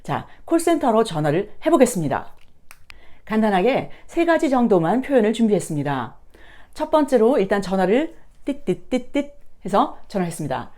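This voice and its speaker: A woman's voice: mid-range voice, sing-song, moderate pace, a little mellow. A woman giving an instructional lesson as a teacher and host, politely explaining and carefully pronouncing example phrases. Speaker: English teacher and video host.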